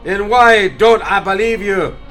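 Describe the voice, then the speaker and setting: A man's voice: sits high, unhurried, fairly bright tone, soft background music. An actor playing a proud, menacing old king, commanding and sneering in an audio drama. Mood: scornful. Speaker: villain.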